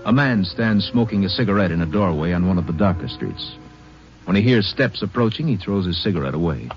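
A man's voice: sits low, animated, brisk, soft background music. Grave male radio narrator. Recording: dull old radio recording.

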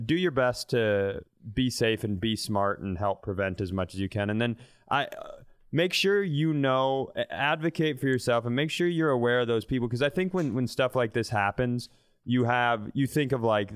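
A male podcast host with a crisp, resonant voice at a middling pitch, recorded very dry. He chats informally and casually, swearing now and then. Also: dry recording. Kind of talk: casual chat.

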